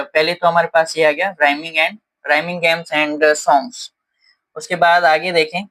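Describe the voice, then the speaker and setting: A man's voice: a little high, bright, forceful tone. Man lecturing in with frequent fillers. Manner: Hindi mixed with English terms, frequent "uh" fillers and "okay" check-ins. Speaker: teacher. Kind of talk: lecture explaining teaching strategies.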